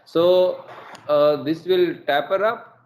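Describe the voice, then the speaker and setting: A middle-aged man with an Indian English accent presents quarterly results on an earnings call, measured and full of hesitations. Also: on the high side, darkish tone, slight background noise. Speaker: company executive presenting results. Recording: echoey room with faint ambience.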